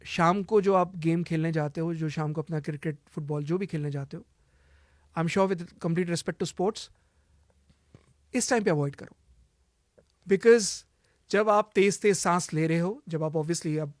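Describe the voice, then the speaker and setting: A man with a fairly high voice gives emphatic health advice as a cancer healer. He hammers his warnings home by repeating them and slips English phrases into his Hindi. The sound is close and dry, with no room around it. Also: measured pace, long pauses, no echo. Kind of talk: advice-giving interview talk.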